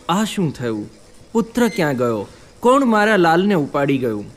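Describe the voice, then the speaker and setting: A man narrating a scripted devotional story in a measured, solemn way. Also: fairly high pitch.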